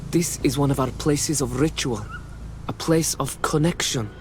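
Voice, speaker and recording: An actor playing a devout, earnest tribal villager in a video game, speaking formally and with heartfelt reverence. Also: male voice, fairly high pitch, measured pace, slight background noise, lightly acted. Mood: explanatory. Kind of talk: scripted video game acting.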